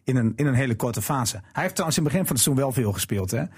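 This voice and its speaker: A man on a football panel who jokes and jumps in quickly with short remarks in a casual chat. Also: mid-range voice, expressive, darkish tone, breathy edge. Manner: quick, interjecting, joking.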